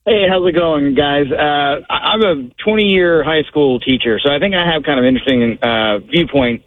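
A man calling in to a radio show, a high school teacher speaking thoughtfully and hesitantly. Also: moderate pace, no room sound. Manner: hesitant, thoughtful, restarts often. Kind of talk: phoned-in radio call. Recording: tinny phone line.

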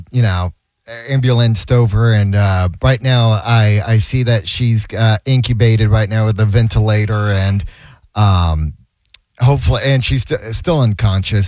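A man's voice: medium pitch, darkish tone, dry recording. A man cohosting a radio show, telling a story hesitantly with many fillers.

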